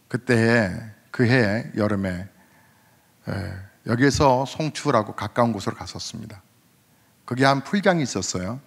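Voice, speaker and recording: A man in his fifties, a senior pastor, preaching a sermon in a conversational storytelling way, asking the congregation questions and rising in pitch at emotional moments. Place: church sanctuary. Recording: long hall reverb.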